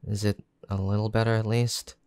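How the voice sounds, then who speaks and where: A man playing a caring, gently teasing young boyfriend in an intimate, affectionate roleplay, speaking softly and unhurriedly. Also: on the low side, little pitch movement, a little fast, smooth, no room sound, clean studio sound, natural voice. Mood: gentle, caring. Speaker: voice actor in boyfriend roleplay audio.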